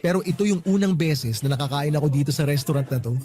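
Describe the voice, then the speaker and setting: In a radio romance drama, a man with a Filipino accent plays an affectionate, easygoing boyfriend, talking in an expressive, conversational way. His voice is natural, a little high, and fast, and the mood is cheerful and relaxed.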